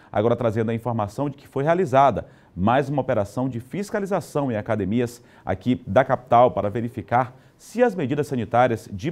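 A man's voice: mid-range voice, a little mellow. A man, presenting live morning news in a conversational, loosely ad-libbed way from a TV studio. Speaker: news anchor.

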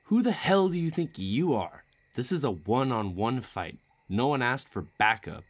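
A man's voice: medium pitch, lively intonation, normal speed, no room sound, close to an everyday voice. A man playing a menacing, bloodthirsty villain who taunts and threatens in an audio roleplay. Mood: angry, impatient. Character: menacing bloodthirsty male villain craving a duel.

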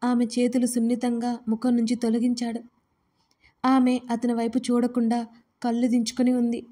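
A woman narrating a story aloud in a steady, even reading voice. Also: a little high, moderate pace.

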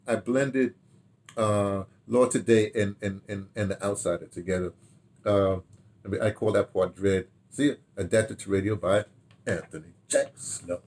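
An older man telling stories casually to camera in an animated, rambling way, repeating himself and trailing into asides. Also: lowish voice. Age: older, 60s or 70s. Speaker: radio drama director reminiscing. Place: small home study, indoors.

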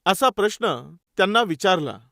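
A man's voice: sits high, big pitch swings, moderate pace, creaky, sharp tone, no echo, studio quality. A man preaching a sermon, calling his listeners dear brothers and sisters and telling stories with quoted dialogue.

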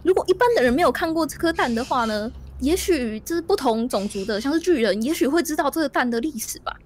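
A woman's voice: sits high, expressive, quick pace, a little hiss or hum. A woman voicing a lost, earnest young time traveler in a tabletop storytelling game, calling out questions in a raised voice. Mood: musing.

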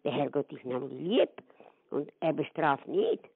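An older woman born in Italy, speaking, asks her question politely and earnestly. Her voice sits low for a woman and comes through a narrow, tinny phone line. The sound is dry. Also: expressive, a little slow, gravelly, breathy edge, no room sound. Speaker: caller.

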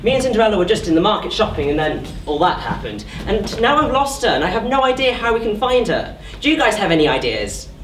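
Woman as lovestruck comic servant for stage panto: playful, exclamatory, very lively delivery, distant roomy theatre recording. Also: medium pitch, quick pace, hardly any pauses, slight background noise, lightly acted. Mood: confiding. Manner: exclamatory, playful, coaxing the crowd. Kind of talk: live amateur pantomime stage acting, addressing the audience. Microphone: distant camera.

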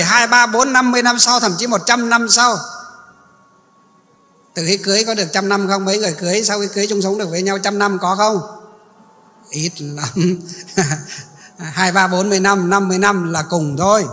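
A male Buddhist monk delivers a sermon in a high, bright voice. He poses questions to his listeners and then answers them himself. His voice carries a long reverb through a large hall.

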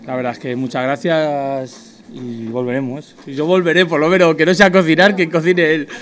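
Man in his 30s, chef interviewee; slightly high voice, halting, restaurant dining room, handheld mic. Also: fairly even intonation, crowd noise. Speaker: guest chef. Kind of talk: casual interview.

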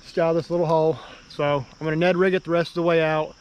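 A man talking casually to viewers as he fishes a creek outdoors, excited and chatty. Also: a little high, fast, clean tone, highs cut off. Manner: excited, talks to viewers while fishing. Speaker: fishing vlogger.

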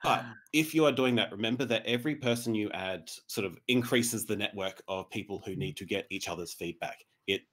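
A man speaking casually as a panelist on a video call. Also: fairly low pitch. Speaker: panelist, podcast writer. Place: indoor room, remote video call.

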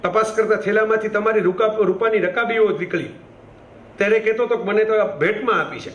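A man's voice: sits high, brisk, a bit bright, echoey room. Man voicing a stern police sergeant. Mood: respectful.

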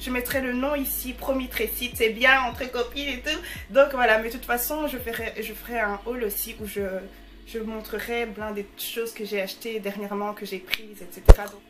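A woman's voice: on the high side, steady tone, normal speed. A woman in her early twenties chatting casually to camera as she answers viewer messages, bubbly and full of slangy fillers.

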